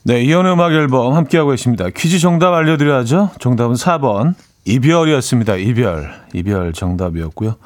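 A male radio host talks in a relaxed, chatty way as he reads out listener messages. He laughs often and slips into playful imitations. The sound is clean and close, from a studio microphone. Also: medium pitch, fairly quick, hardly any pauses. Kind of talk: casual radio chat reading listener messages.

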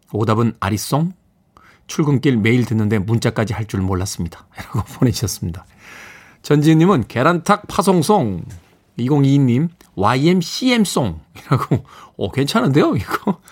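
Man morning radio DJ from Seoul, playful, pitch rising and falling freely, studio mic. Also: breathy edge. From Seoul, South Korea. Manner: lively, playful, chuckles between messages. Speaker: radio show host. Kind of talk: morning radio show, reading listener texts.

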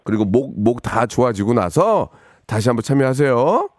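A man hosting a live radio call-in show, joking bluntly with callers and moving briskly from one to the next. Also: mid-range voice, very animated, a little mellow, no room sound, studio quality.

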